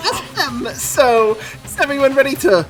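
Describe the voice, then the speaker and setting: Gleeful, swooping sing-song mascot villain. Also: female voice, high-pitched, animated, unhurried, soft background music, pitched above the performer's own voice, rough recording. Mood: teasing, mock cheerful. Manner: sing-song, teasing, mock-cheerful. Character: gleeful, sarcastic mascot villain announcing a trial. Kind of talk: amateur game character voice-through.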